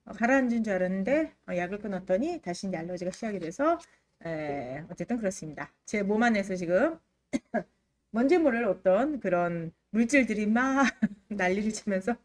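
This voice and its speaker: A woman instructor hosts a live exam-prep lecture with very animated, swinging intonation. She speaks at a medium pitch in an emphatic, conversational manner. Her throat is a little under the weather from allergies. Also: normal speed. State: allergy-affected throat, occasional coughing. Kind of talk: livestream lecture, addressing students.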